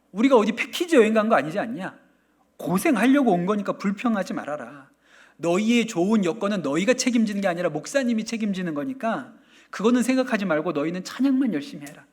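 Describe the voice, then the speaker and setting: High-voiced, lively Korean pastor preaching. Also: male voice, breathy edge. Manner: animated storytelling with playful asides and mock quotes. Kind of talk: sermon.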